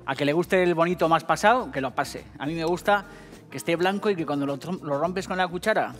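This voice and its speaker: A high-voiced, middle-aged man with a Basque Spanish accent, demonstrating a recipe on a TV kitchen set. He talks straight to the viewers, full of jokes and swearing. Faint music plays behind him. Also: fairly quick. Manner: profane, jokey, addresses viewers directly. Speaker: TV cooking show host. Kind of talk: casual cooking demonstration.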